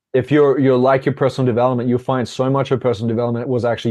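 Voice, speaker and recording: Talking very fast, a man with a medium-pitched voice speaks in an Australian accent. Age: 30s. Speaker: entrepreneur and coach. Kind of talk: interview conversation.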